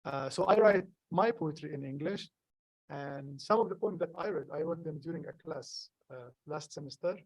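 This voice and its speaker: A young man from Gaza whose first language is Arabic, a poet answering questions at a live event, halting and earnest with many restarts. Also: fairly high pitch, slightly rough, no room sound, poor audio. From Gaza, Palestine. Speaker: poet, guest. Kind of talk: live conversation at a public event.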